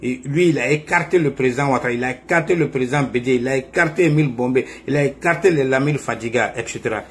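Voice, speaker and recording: Male commentator, mid-pitched, taunting and repetitive, fires off rhetorical questions. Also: fast talker, slight background noise. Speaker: political commentator. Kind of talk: confrontational political monologue.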